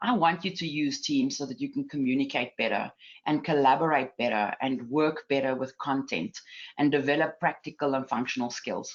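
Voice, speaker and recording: A woman's very deep, low voice with an enthusiastic tone. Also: ordinary pitch variation. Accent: South African. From South Africa. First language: Afrikaans. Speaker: IT trainer and technology expert. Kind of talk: webinar presentation. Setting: online webinar. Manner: fast.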